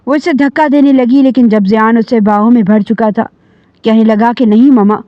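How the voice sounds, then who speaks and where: A woman narrates a novel in an even, dramatic storytelling manner. The recording is dry and close. It sounds slightly dull. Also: a little high, dry recording.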